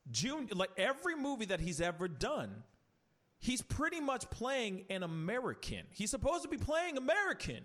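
A man's voice: very high-pitched, wildly swooping pitch, normal speed, fairly bright tone. A man hosting a casual podcast chat, ranting animatedly with rhetorical questions and many restarts. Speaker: podcast host.

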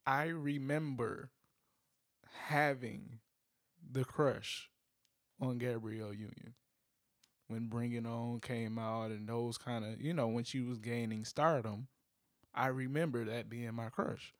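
A man in his thirties co-hosts a casual talk show, laying out his view in a measured, reasoning way. He speaks slowly at a middle pitch, and the sound is dry and close. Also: steady tone, no echo. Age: 30s. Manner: measured, reasoning, sees both sides. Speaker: podcast co-host. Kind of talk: casual chat.

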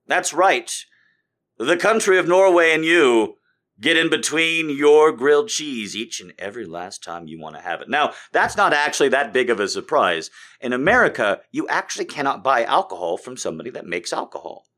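A comedian giving a sarcastic comedic rant, profane and animated. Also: male voice, medium pitch, moderate pace.

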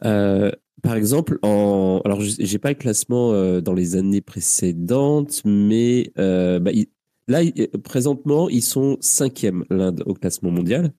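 A man's voice: lowish voice, lively intonation, a little slow, warm tone, no echo. A man hosting a live radio talk show, his sinuses blocked, talking in a hesitant way with many fillers and restarts. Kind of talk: casual live radio chat.

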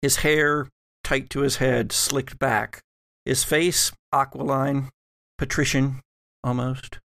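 Man, game master, horror narration, creaky, dry close sound, deliberate pauses. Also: medium pitch, fairly even intonation, fairly bright tone, no echo.

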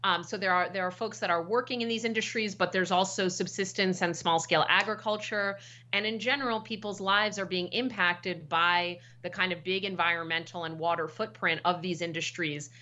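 A woman's voice: fairly low pitch, steady tone, fairly quick, pushed and bright, highs cut off. A middle-aged American woman, a professor guest, explaining at length in a podcast interview and often checking in with "right?". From United States. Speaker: guest expert, political science professor.

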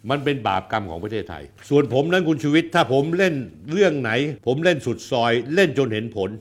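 A combative older man in his sixties speaks straight at his rival like a commentator delivering an on-camera challenge. He talks fast and blunt, with coarse accusations and sharp rhetorical jabs. His pitch sits in an ordinary middle range. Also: sing-song. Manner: addresses a rival directly and challenges him. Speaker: political commentator. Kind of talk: confrontational on-camera address.

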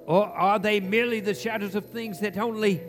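An actor playing a frightened, repentant old miser in a live radio play, declaiming and pleading with theatrical weight. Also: male voice, sits high, fairly even intonation, normal speed, noisy background, close to an everyday voice. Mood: dread. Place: theatre stage, live before an audience. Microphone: shared stage microphone.

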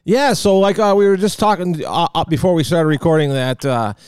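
An American man hosting a podcast in a casual, halting way, often repeating words as he goes. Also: fairly high pitch, a little mellow, clear, resonant tone, no room sound, clean studio sound. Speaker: podcast host. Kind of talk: casual chat and interviewing.

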